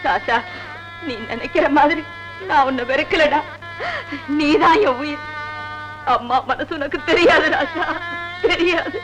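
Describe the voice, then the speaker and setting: A sorrowful village mother with a high voice, tearful and pleading. Her lines come from an old film soundtrack with loud music underneath. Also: measured pace, pauses often. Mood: tender. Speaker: grieving mother. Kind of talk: 1970s film drama dialogue.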